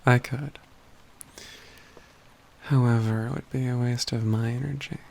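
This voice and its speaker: A man performs a proud, learned male mage in an ASMR fantasy roleplay. He speaks slowly and formally in a gravelly, even voice, with a dry, teasing composure. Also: mid-range voice. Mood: thoughtful, explaining. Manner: measured, formal old-fashioned wording, dryly wry.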